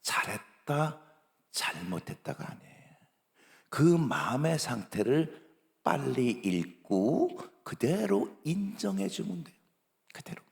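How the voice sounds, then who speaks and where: A middle-aged male pastor preaching a sermon, dropping to hushed whispers and rising to loud, pleading emphasis. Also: on the high side, sing-song, slow, vocal fry. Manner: acts out parents scolding children. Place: church sanctuary. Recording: long church hall reverb.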